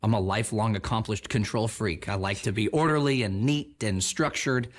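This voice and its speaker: A man's voice: lowish voice, normal speed. A man in his thirties giving a candid, self-deprecating personal testimony. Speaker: testimony speaker. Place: bright studio.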